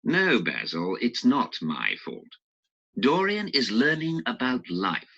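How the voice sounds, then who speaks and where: A man reading an audiobook voices a witty, worldly gentleman who speaks in a breezy, assured way. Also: medium pitch, huge pitch swings, slow, creaky, pitched above the performer's own voice, full character voice. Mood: unbothered. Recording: dull lo-fi recording.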